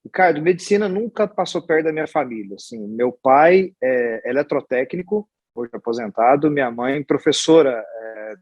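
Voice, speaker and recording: In a relaxed interview, a Goiás-born hospital executive in his forties tells his life story in Goiás-accented Brazilian Portuguese, chatty and rambling, restarting often and adding tag questions. His mid-range voice moves at normal speed with hardly any pauses, captured in a dry, lo-fi recording.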